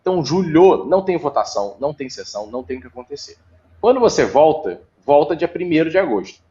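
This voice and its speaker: A man's voice: a little high, very animated, fast talker, dark tone, lo-fi sound. A man from Brazil, a city councilman giving long explanatory interview answers with many fillers.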